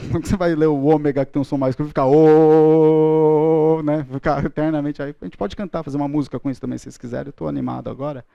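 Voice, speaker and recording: A man's voice: fairly high pitch, steady tone, very fast, vocal fry, no echo, highs cut off. Playful Brazilian man teaching a class. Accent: Brazilian Portuguese. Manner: playful, joking, leads the class in chanting. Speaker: Bible school teacher. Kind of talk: lively classroom lesson.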